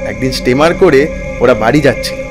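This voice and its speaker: A man playing a sinister ghostly village servant in an animated horror story, deferential yet insistent and menacing. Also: mid-range voice, brisk, over music, close to an everyday voice, rough recording. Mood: bitter, agitated.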